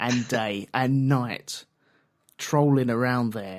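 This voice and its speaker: A man speaks very slowly with a South London accent, his pitch medium and his intonation fairly even. The recording is very clean, with a silent background. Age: 30s. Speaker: podcast host. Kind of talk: casual chat.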